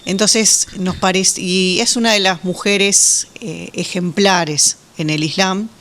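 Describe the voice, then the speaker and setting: A woman from Uruguay, raised in Argentina, with a Rioplatense accent, answering radio interview questions calmly and explaining her views with many hesitant fillers. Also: medium pitch, slow. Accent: Rioplatense Spanish. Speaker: guest, Muslim women's association representative.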